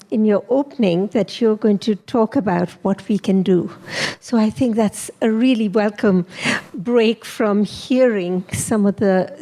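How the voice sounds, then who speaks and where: A woman moderates a panel in a slow, measured way. Her voice is mellow and gracious. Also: medium pitch.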